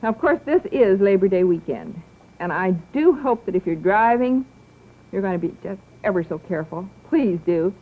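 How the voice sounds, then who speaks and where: A middle-aged woman hosts a children's show in a coaxing, sing-song manner, drawing out her words like a kindly teacher. Her voice sits at an ordinary pitch. The sound is narrow and tinny, like an old television broadcast. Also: expressive, normal speed. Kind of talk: speaking gently to children, then to parents.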